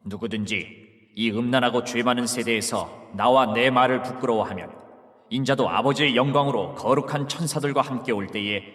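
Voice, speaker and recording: An actor playing Jesus as a grave, authoritative teacher in a dramatized scripture reading, speaking in a solemn, measured way. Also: male voice, mid-range voice, a bit bright, natural voice. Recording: long hall reverb.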